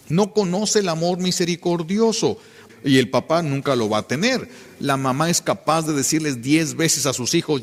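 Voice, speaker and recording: A man's voice: sits high, in a large hall. A man, a priest giving an emphatic sermon and repeating key phrases for weight.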